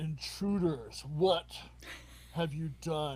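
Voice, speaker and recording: Loud and booming, this put-on character voice sits at a middle pitch. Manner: accusing.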